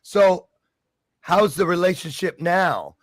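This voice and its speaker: A man's voice: sits high, expressive, slow pace, no echo. A man hosting a casual interview, chatty and joking, sometimes losing his train of thought. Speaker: interview host.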